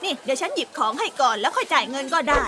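A woman playing a bossy, teasing market shopkeeper in a children's radio drama. She chats and scolds in a nosy, sharp-tongued way. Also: sits high, very animated, rapid-fire, heavily acted. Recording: music playing underneath.

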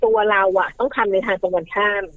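A woman guest giving family advice in casual talk, animated, acting out quoted lines as she explains. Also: mid-range voice, fast. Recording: tinny phone-like line, dry.

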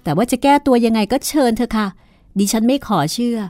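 A woman's voice: fairly high pitch, fast, mellow, no echo, faint music behind, voice pushed up, natural voice. A woman voicing a proud, cold older sister who speaks in a cutting, sarcastic way.

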